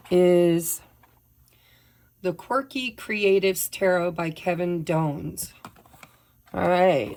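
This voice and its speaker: A woman, slightly hoarse while her voice recovers, chatting casually and apologetically through a pick-a-pile tarot reading. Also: on the low side, darkish tone, a little hiss or hum. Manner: chatty, apologetic, tells personal updates while shuffling. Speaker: tarot reader.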